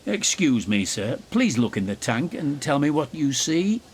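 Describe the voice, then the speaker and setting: A man's voice: mid-range voice, very animated, a little slow, a little hiss or hum. A man voicing a polite, practical railway inspector in a children's storybook tale. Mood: polite, puzzled.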